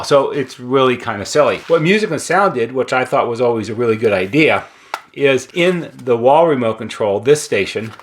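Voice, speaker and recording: A man talking casually and unscripted as a repair technician, explaining hardware and thinking aloud as he handles it. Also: mid-range voice. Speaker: intercom repair technician presenting equipment. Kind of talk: casual unscripted hands-on product walkthrough.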